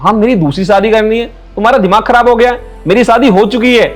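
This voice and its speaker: A man's voice: a little high, normal speed, soft background music, close to an everyday voice. A man playing an earnest young husband who soothes his wife and stands up to his mother. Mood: protesting. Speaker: son and husband. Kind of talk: rural Hindi film drama.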